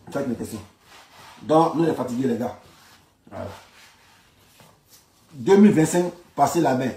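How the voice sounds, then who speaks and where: A man's voice: medium pitch, mellow. A man with an Ivorian accent giving informal political commentary, colloquial and repeating phrases for emphasis. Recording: echoey room, distant from microphone.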